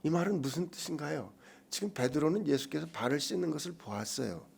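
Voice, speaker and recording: A male pastor preaching an expository sermon. His pitch moves up and down with animation. He pushes key points loudly and then drops to hushed, almost whispered lines. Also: lively intonation, fast, gravelly, husky.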